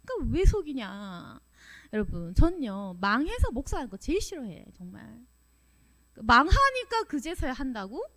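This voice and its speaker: Woman preacher, emphatic sermon, high voice, very lively pitch, acts out quotes. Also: moderate pace. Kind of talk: sermon at a Friday prayer meeting.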